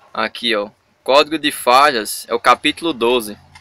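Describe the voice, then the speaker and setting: Here a man talks at a fairly slow pace with ordinary pitch variation. The sound is dry, with no echo. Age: 20s. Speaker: truck driver and vlogger; vlogger. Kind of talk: vlog tutorial. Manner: casual, informal. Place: car. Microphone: phone near.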